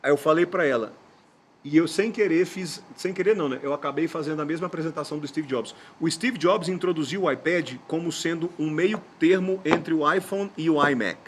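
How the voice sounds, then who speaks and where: A middle-aged man from Brazil hosts a casual podcast, talking like a patient teacher who slows down to stress key words. His voice sits a little high for a man. A faint noise runs under the recording. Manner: explanatory, storytelling with emphatic slow stresses. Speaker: podcast host and English teacher.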